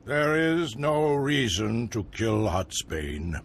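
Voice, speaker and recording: A solemn tribal elder speaks slowly with lively rises and falls, measured and persuasive. Faint ambient noise sits behind him. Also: male voice, medium pitch.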